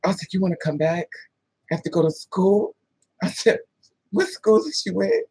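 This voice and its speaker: A woman's voice: mid-range voice, big pitch swings, moderate pace, mellow, breathy edge, no echo, rough recording. A woman in her thirties, vlogging a dating story in casual, profane storytelling, acting out both sides of the talk with laughing asides. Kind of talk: casual storytelling with quoted dialogue.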